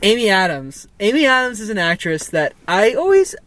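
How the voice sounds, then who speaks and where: A man's voice: high-pitched, big pitch swings, moderate pace, a bit bright. A young man co-hosting a casual film review, enthusiastic and rambling, laughing at himself as he goes.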